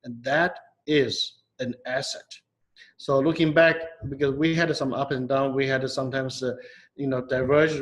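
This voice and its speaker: A man, a company co-founder, giving thoughtful, measured interview answers with frequent pauses and restarts. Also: mid-range voice, rough recording.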